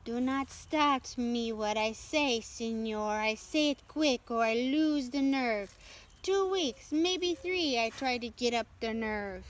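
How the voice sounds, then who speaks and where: A woman voicing an eager, soft-spoken young Hispanic sailor man in a storybook, with halting phrasing and Spanish words. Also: on the high side, animated, rough recording. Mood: hesitant, earnest.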